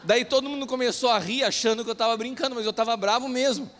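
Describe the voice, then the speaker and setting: A Brazilian pastor preaching a sermon, telling a self-mocking story in an animated way. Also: male voice, very high-pitched, fast. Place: church hall. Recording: long reverb of a church hall.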